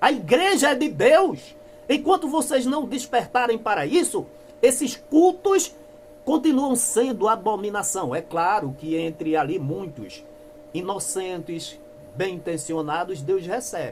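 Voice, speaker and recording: A man speaks at a fairly slow pace in a high pitch. His pitch swings very widely. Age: 60s. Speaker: church member and online commentator. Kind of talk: denunciation monologue, sermon-like. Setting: live online broadcast. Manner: impassioned, preachy.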